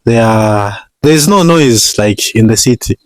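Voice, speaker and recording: A man's voice: fairly low pitch, lively intonation, unhurried, no echo. A man hosting a casual video interview, asking questions in long winding sentences and laughing often. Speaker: vlogger interviewer.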